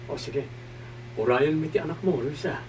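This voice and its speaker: A man's voice: on the high side, moderate pace, close to an everyday voice. A man playing a polite, persuading father. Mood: earnest. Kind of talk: amateur drama acting. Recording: distant mic with loud hum.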